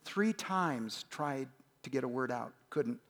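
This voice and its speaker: A man's voice: medium pitch, lively intonation, takes it slowly. A man in his fifties telling a family story to a church congregation in an earnest way. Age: 50s. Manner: earnest, with frequent uh fillers. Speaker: church guest speaker. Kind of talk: storytelling on stage. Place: large church auditorium. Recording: long hall reverb.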